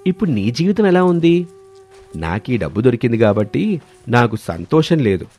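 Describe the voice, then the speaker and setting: A man acts out an earnest villager from a storybook moral tale. He speaks deliberately, like someone teaching a lesson, at a middling pitch. Music plays behind him. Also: dark tone. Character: villagers in a moral tale: greedy farmer and wise elder. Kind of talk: acted dialogue in a Telugu moral story.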